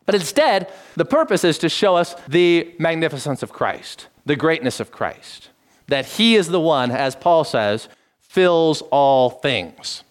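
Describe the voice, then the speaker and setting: A middle-aged man preaching, teaching in a measured tone and lifting his voice to stress key phrases. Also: a little high, sing-song. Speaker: pastor. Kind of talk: expository sermon.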